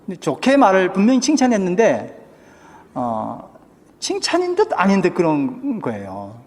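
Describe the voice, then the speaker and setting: Lively preaching man in a reverberant church. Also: high-pitched, moderate pace. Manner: asks the congregation questions, acts out quoted speech. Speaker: pastor. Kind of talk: sermon. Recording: church hall with long reverb.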